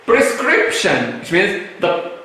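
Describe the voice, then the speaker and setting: A male English teacher from Morocco, a native Arabic speaker, slowly explaining vocabulary to a class, often checking with "right?" and "hmm?". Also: sits high, huge pitch swings, pushed and bright. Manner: slow, repetitive explaining with tag questions. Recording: very echoey room.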